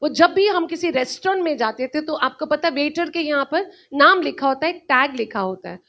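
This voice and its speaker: A woman with a high, light voice delivers a motivational live-stream talk as host. She speaks earnestly and a little preachily, circling back to repeat her key phrases for emphasis. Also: animated, normal speed, a bit bright.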